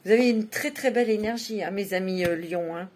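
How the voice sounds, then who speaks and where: A woman's voice: mid-range voice, brisk, a little mellow. Woman, casual tarot reader, talkative and giggly, faint background noise. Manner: chatty, laughs often, many fillers like "hein". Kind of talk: casual monthly tarot reading.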